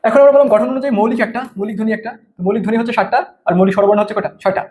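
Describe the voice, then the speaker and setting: Rapid high-voiced man teaching grammar. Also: darkish tone. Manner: rapid, asks and answers his own questions. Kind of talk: grammar lesson lecture.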